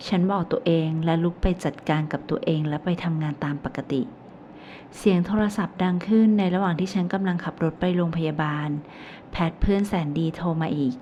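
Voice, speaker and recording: Mellow, low-voiced woman narrating a novel. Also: steady tone, a little fast. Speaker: audiobook narrator. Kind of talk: first-person romance audiobook narration. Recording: slightly dull recording, faint hiss.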